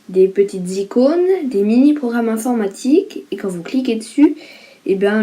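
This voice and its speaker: A woman's voice: medium pitch, mellow. A woman reporter giving scripted news narration in a lightly playful, explanatory way.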